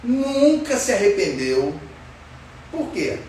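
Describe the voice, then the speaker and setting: A man's voice: high voice, big pitch swings, slow pace, darkish tone. A man teaches a Sunday school Bible lesson, questioning his class in an emphatic way. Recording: roomy far-off sound with faint noise.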